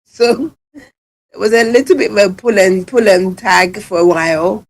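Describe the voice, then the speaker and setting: A salon owner in her fifties, originally from Ghana, appears as a guest on a casual radio interview. She tells her story at length with many fillers, in a mid-range voice at normal speed.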